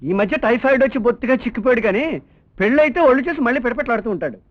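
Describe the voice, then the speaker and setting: Wisecracking man, lively high voice. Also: racing. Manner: witty, wordplay, teasing. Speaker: scheming elderly guardian in a comedy film. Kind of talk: film dialogue. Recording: dull lo-fi film audio with music.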